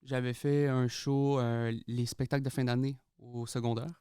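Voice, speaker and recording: Relaxed young Québécois man, smooth voice. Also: mid-range voice, normal speed, no echo, clean studio sound. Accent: Québécois French. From Quebec, Canada. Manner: relaxed, laughs easily, mixes in English words. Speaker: guest artist. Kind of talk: casual podcast interview.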